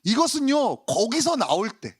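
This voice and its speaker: Lively, high-voiced male pastor preaching. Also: normal speed, husky. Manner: conversational preaching with rhetorical tag questions. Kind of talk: sermon. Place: church sanctuary.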